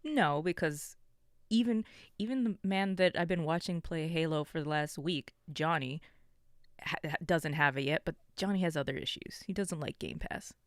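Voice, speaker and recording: A woman's voice: low-pitched, moderate pace, no room sound, clean studio sound. A woman chatting casually and bluntly as a panelist on a gaming show. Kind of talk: casual chat.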